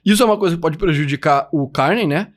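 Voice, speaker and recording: A man's voice: a little high, fast talker. A man co-hosting a podcast, explaining political news in a loose, joking manner. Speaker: podcast co-host. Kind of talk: casual political chat.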